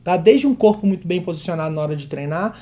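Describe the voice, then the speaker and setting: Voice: medium pitch, expressive, fast, dark tone. A voice teacher with a Brazilian Portuguese accent, explaining vocal technique and demonstrating vowels and drill syllables aloud.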